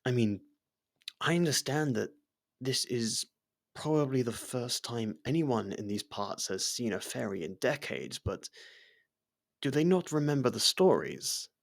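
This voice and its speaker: A man's voice: medium pitch, very animated, measured pace, gravelly, dry recording, clean studio sound, exaggerated voice. A man playing a devoted, worried royal servant in an intimate fantasy roleplay, speaking formally and earnestly with careful deference. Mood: worried, disapproving.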